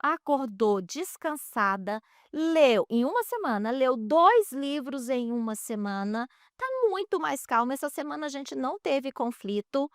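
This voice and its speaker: A Brazilian woman who is a guest expert on child development, speaking in an interview and telling stories with animated, acted-out dialogue. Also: high voice, measured pace, hardly any pauses, no room sound, clean studio sound. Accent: Brazilian Portuguese. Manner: animated storytelling, acting out quoted dialogue. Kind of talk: interview conversation.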